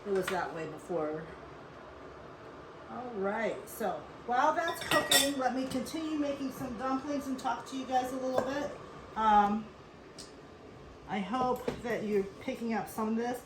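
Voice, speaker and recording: A woman's voice: on the high side, a little slow. Woman, cooking show host, chatty and rambling, echoey kitchen. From born in South Korea, raised in Western Pennsylvania. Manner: chatty, rambling, addresses viewers as folks. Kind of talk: casual cooking demonstration. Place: home kitchen. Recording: echoey room, faint noise.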